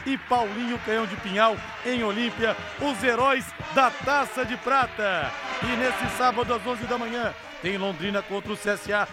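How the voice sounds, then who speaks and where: A man's voice: extremely high pitch, normal speed, hardly any pauses, shouting. A man with a Brazilian accent hosting live sports talk on the radio, emphatic with conversational asides. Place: radio studio.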